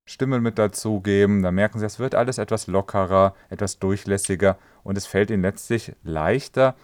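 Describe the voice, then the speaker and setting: Guy voice coach explaining stuff calmly, lowish voice, dry close sound. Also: no room sound. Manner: calm, instructive, addresses listener directly. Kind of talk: educational explainer on voice health.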